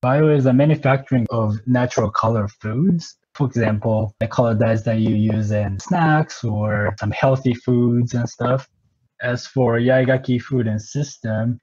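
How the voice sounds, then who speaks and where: Slightly husky man in his thirties. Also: mid-range voice, darkish tone, lo-fi sound. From Japan, moved to Southern California at twelve. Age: 30s. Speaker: interview guest, sake company representative. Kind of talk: conversational interview storytelling.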